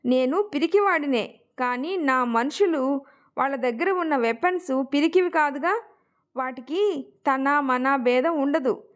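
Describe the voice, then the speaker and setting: A woman doing a cold, menacing phone caller. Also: high voice. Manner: cold, measured threats. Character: menacing unseen man threatening by phone.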